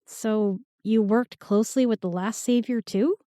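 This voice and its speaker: A woman's voice: fairly high pitch, steady tone, measured pace, mellow, no echo, clean studio sound, natural voice. A woman playing a blunt, sceptical young outsider in a fantasy audio drama, with brash, casual modern speech.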